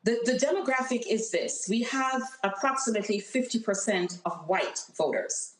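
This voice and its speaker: This woman, a Jamaican-accented candidate for Congress, joins a remote call as a guest and delivers emphatic, earnest campaign talk at a moderate pace. Her pitch sits fairly high, and the call audio is poor and echoey.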